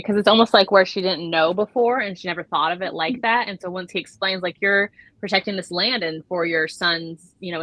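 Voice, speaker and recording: Woman panelist, bright forward voice on the lower side, very dry sound, agreeable chat. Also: dry recording, poor audio. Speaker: book discussion panelist. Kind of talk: casual chat.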